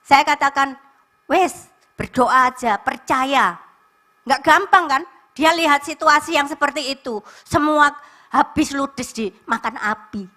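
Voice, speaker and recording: A woman's voice: high-pitched, moderate pace, pushed and bright. A woman pastor preaching a sermon at a church service, earnest and rising to fervent exhortation, telling stories with quoted dialogue.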